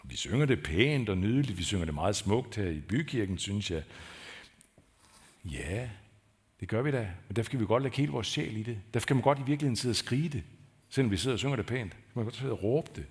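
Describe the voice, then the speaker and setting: A male pastor delivers a sermon in a church with a fairly low voice. He talks to the congregation in a loose, conversational way. He falters over words at times and builds to emphatic peaks. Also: animated.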